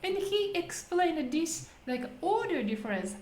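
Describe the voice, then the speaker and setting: High-voiced Japanese-accented woman in echoey room. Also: big pitch swings, measured pace, darkish tone. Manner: asks questions and explains step by step. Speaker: host leading English conversation practice. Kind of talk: casual explanatory lesson talk. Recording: roomy, echoing sound.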